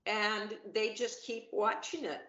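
A woman's voice: mid-range voice, little pitch movement, slow pace, a bit bright. Roomy-sounding middle-aged woman on a video call. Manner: chatty, upbeat, many fillers and restarts. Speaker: panel guest. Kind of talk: casual video-call chat. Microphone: video call webcam. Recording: roomy, dull webcam audio.

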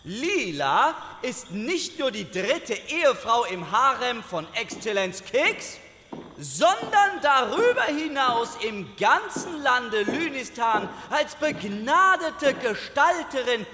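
A man's voice: very high voice, very animated, takes it slowly, sharp tone, slight background noise, full character voice. An actor playing a flustered, pompous palace herald in an audio drama, theatrical and stammering in his ceremonious speech. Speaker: court announcer. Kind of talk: German audio drama acting. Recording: reverberant hall.

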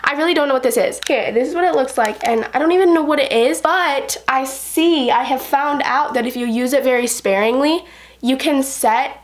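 A woman's voice: high-pitched, moderate pace. A teenage girl chatting casually to a close camera mic in her bedroom, rambling with lots of filler "like"s while sick with a cold and sore throat. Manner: rambling, heavy use of "like". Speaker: vlogger. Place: bedroom indoors. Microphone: camera mic close in front of speaker.

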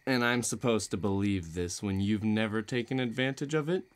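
A man's voice: fairly low pitch, moderate pace, smooth, close to an everyday voice. A man playing a cocky, menacing villain in a romantic audio roleplay, taunting and self-assured. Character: cocky, menacing male villain, playful but threatening.

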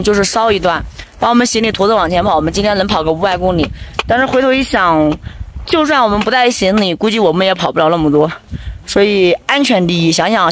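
A plain-spoken woman chats through her travel vlog in an everyday middle voice. She talks outdoors at a highway rest stop, with faint noise behind her. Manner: plain-spoken, teasing and chatty. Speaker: motorcycle travel vlogger. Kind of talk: casual vlog narration.

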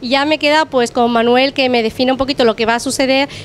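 Middle-aged female TV host, high voice, upbeat interviewer, handheld mic in a kitchen. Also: steady tone, fast, a little hiss or hum. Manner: upbeat, complimentary questioning. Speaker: TV reporter host. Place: restaurant kitchen, indoors. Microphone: handheld reporter mic.

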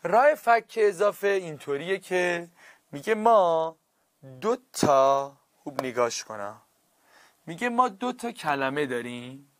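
A male teacher giving a classroom grammar lesson, stretching key words out slowly for emphasis and checking often that students follow. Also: on the high side, lively intonation, fairly bright tone, dry recording.

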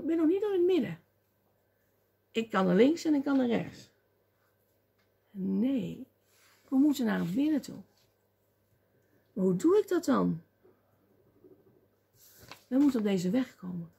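Animated husky woman preaching. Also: fairly high pitch. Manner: animated, acts out voices and cries out. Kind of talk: lively sermon.

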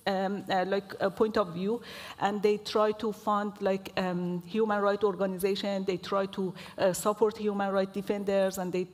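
Earnest woman from Afghanistan, halting. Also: medium pitch, darkish tone. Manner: earnest, halting with many fillers. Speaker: panel speaker. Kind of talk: panel discussion. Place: large stage hall.

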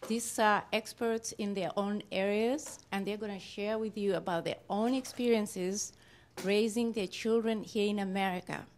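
Middle-aged lady hosting a panel, friendly upbeat voice, mid pitch, handheld mic. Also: steady tone, moderate pace, darkish tone, slight background noise. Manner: welcoming, upbeat. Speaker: class host. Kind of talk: moderating a panel. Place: classroom.

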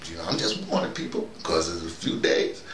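A man's voice: sits low, animated, a little fast. An older man delivers a rambling, folksy, preachy monologue, repeating phrases for emphasis. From United States. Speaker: vlogger, audio dramatist. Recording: roomy, distant mic, faint background noise.

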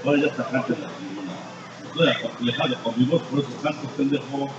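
An older man with a Mexican accent giving blunt, crude testimony at a recovery group meeting, going from low murmurs to loud shouts. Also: fast. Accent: Mexican Spanish. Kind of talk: blunt, profane confessional testimony. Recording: distant, echoey, dull-sounding room recording with noise.

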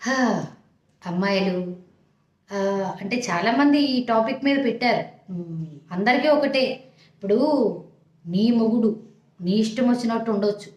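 A woman's voice: on the high side, lively intonation, unhurried, long pauses, a little mellow. A woman giving frank relationship advice to young wives in a motherly way, often checking that listeners understand. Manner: motherly, addresses listeners as "amma". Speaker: advice channel host. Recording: echoey room.

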